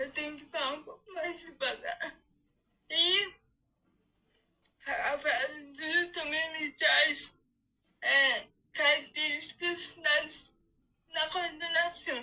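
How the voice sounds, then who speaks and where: With long, frequent pauses, a woman delivers her words in a raised, projected voice, bright and sharp in tone, high-pitched, fairly even in intonation, and at a very slow pace. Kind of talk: public talk.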